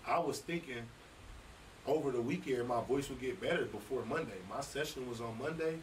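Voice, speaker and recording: A man's voice: mid-range voice, normal speed, distant mic, a little hiss or hum, low-quality recording. Laid-back man rambling slangy from afar. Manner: loose, rambling, slangy delivery with many restarts. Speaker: recording artist guest. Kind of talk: casual storytelling in conversation.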